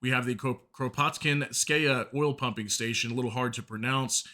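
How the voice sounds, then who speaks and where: A news channel host gives a casual briefing on the war, speaking informally to viewers. His mid-pitched voice is bright and forward, a little hoarse from a sore throat, with a steady tone and moderate pace. When he stumbles over difficult names, he apologizes.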